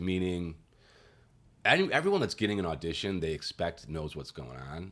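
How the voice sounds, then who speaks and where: A man's very deep, low pitch with big swings in loudness. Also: ordinary pitch variation, moderate pace. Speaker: voice actor. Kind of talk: interview answer. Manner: funny, joking.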